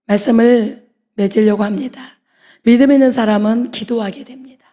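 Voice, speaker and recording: A middle-aged woman, a pastor's wife, preaching a sermon in an earnest, exhorting way with slow, emphatic pauses. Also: a little high, fairly even intonation, warm tone.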